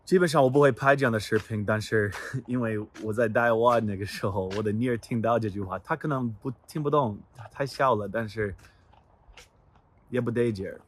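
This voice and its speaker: Calm American man speaking Mandarin. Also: lowish voice, slight background noise. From United States. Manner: calm, unhurried recounting. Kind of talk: casual personal video.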